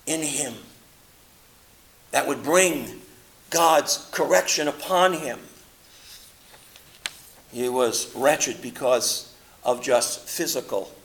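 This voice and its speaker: A man preaching a sermon, rising into loud, impassioned quotations and dropping into low, quiet asides. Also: vocal fry, rough recording.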